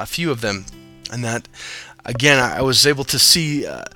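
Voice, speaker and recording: A man's voice: medium pitch, pushed and bright. A young to middle-aged man speaking as the host of a religious podcast.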